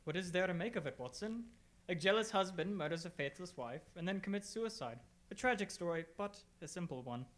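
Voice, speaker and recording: A woman playing a composed, learned male detective in a radio play, speaking in a measured, formal, lecturing way. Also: fairly low pitch, expressive, close to an everyday voice. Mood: dry, matter-of-fact. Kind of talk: radio theatre acting.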